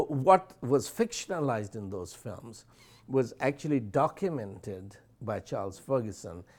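Speaking at a fairly slow pace with an Indian accent, a man uses lively intonation at a medium pitch in a very clean recording with a silent background. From India, Allahabad. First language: Hindi. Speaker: philosopher and author. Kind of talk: interview. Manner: halting, many fillers.

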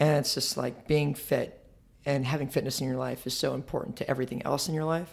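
Using a plain, everyday voice with an American accent, a man talks at a fairly quick pace and a fairly high pitch. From US South, Georgia (Marietta). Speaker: fitness coach. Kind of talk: interview.

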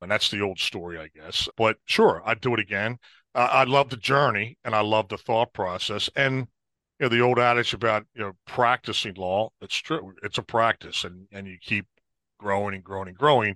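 Dry and close with no echo over a quiet background, a man with an American accent speaks at a fairly low pitch and moderate pace, his bright, sharp tone showing ordinary pitch variation and big swings in loudness. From US, Baltimore. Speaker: lawyer and law firm owner. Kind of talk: interview.

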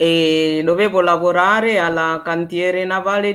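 A woman at a fairly slow pace. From Tanzania. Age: 60s. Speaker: book subject, immigrant. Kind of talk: interview. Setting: video call.

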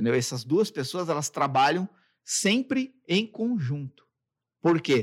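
This man's voice sits fairly high and swings very widely in pitch. The recording is very clean, with a silent background. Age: 40s. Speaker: copywriter. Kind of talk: casual chat.

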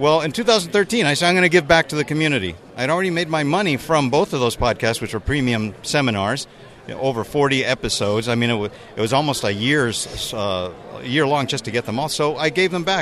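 Over noticeable background noise, a man with a fairly high pitch speaks fairly quickly with lively intonation. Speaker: podcaster. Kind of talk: casual interview. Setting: live event.

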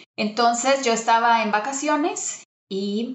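A woman speaks with a Guatemalan accent. Her voice is somewhat breathy. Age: 40s. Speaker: psychologist, survivor sharing testimony. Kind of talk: testimony.

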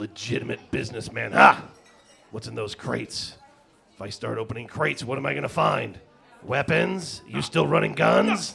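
A raspy voice with big swings in loudness. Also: man, moderate pace. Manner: threatening, gruff.

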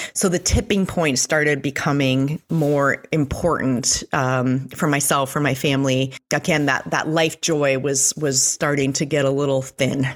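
Over noticeable background noise, a woman with a very deep, low pitch speaks at a fairly slow pace, her loudness very even and her speech carrying hardly any pauses. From Mexico. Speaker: physician. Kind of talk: interview conversation. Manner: animated.

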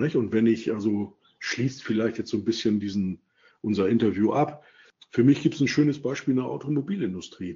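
Speaking at a moderate pace, a man has a medium pitch, ordinary pitch variation and an unremarkable speaking voice. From northern Germany, Wilhelmshaven. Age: 50s. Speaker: sales expert and app developer. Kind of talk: interview. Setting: web meeting. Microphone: audio problems at start of recording.

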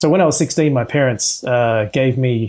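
With an Australian accent, a man talks at a moderate pace, using a medium pitch and ordinary pitch variation. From Central Coast, north of Sydney, Australia. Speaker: underwater photographer. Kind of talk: casual interview.

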